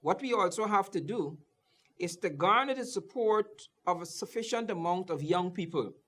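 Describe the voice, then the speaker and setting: This is a jovial male host with a fairly high voice, interviewing a guest on a political talk show. He teases his guest and keeps the talk going with a stream of quick affirmations. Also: lively intonation, a bit bright. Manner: jovial, joking, repeats "okay" and "wow".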